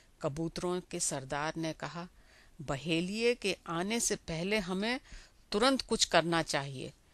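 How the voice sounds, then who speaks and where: This woman has a normal speaking voice with fairly low pitch. Her intonation is lively. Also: quiet background. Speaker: storyteller. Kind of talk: children's fable reading.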